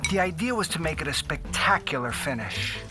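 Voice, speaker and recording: A man playing a calm, shrewd streetwise computer hacker in an audio drama. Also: on the high side, fairly quick. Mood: confiding, explaining. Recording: music behind the voice.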